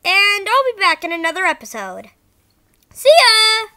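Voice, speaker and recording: Woman acting a perky cartoon cat boy, very high squeaky voice, badly acted amateur delivery, swinging intonation. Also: sing-song, a little slow, bright, forceful tone, heavily acted. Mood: perky, theatrical. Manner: bad amateur acting, stumbling over script.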